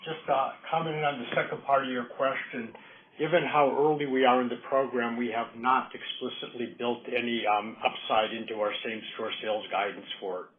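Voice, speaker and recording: A man speaking as a company executive, answering questions on an earnings call in a measured, formal way. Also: mid-range voice, fairly even intonation. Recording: roomy, noisy, narrow conference-call line.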